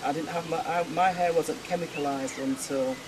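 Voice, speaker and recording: A woman's voice: low-pitched, fairly even intonation, moderate pace. Earnest woman, noisy studio. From England. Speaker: guest. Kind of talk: casual studio talk show chat.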